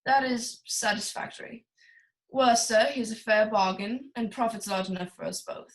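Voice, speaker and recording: A woman's voice: a little high, normal speed, lightly acted, poor audio. A woman playing a courtly, greedy and obsessive middle-aged crime boss in a noir radio play, speaking in a formal, grandiose way. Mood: businesslike. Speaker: voice actor. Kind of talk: 1940s film noir radio acting.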